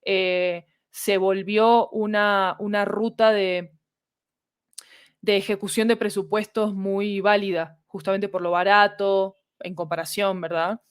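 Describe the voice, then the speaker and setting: Woman guest chatting about her field, smooth clear voice, thoughtful, dry close sound. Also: mid-range voice, little pitch movement, takes it slowly, no room sound. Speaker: podcast guest, audio fiction expert. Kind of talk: casual interview talk.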